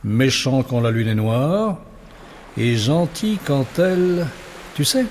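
A man's voice: medium pitch, animated, slow, a little mellow, slight background noise, pitched above the performer's own voice. A man voicing a teasing nightmare creature. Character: tiny crawling nightmare creature, playful, teasing.

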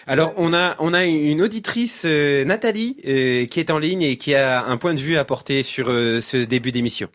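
A man's voice: fairly high pitch, moderate pace, few pauses. Chatty man hosting a late-night radio show. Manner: jokey, repeats words when excited. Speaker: radio host. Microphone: studio microphone.

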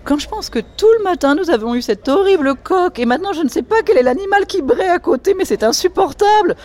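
A shrill, pompous society lady. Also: expressive, fairly quick, a little mellow. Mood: affected complaint. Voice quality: shrill, affected and grandiose. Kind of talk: reading a novel aloud.

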